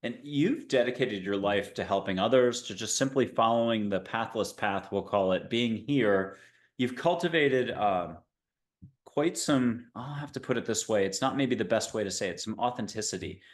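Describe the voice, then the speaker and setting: A male host of an interview show, introducing a guest and asking questions on a video call in a chatty, upbeat way, with quick asides. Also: on the low side, expressive. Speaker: podcast host. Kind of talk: casual interview hosting.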